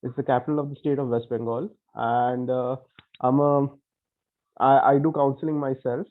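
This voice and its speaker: A man's voice: mid-range voice, steady tone, normal speed. Man on a tinny phone line. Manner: hesitant, with many filler sounds. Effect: speaking over a phone line. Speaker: participant in an online empathy circle. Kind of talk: casual self-introduction. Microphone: phone call.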